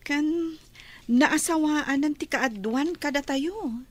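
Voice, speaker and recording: A high-voiced, earnest young Ilocano woman. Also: slow pace, no room sound. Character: worried young woman who cooks for friends. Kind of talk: radio drama acting.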